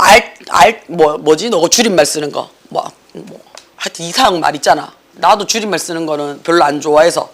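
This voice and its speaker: Woman English instructor, animated pitch, lecturing style, keeps asking the class questions. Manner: lively, asks students constant check questions.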